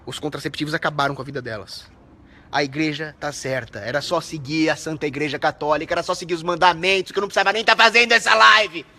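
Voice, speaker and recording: A young Brazilian man hosts a live stream in a slightly high, steady voice, talking fast. He reads viewer comments aloud and shouts out their names between indignant, profane rants, all in a Brazilian Portuguese accent.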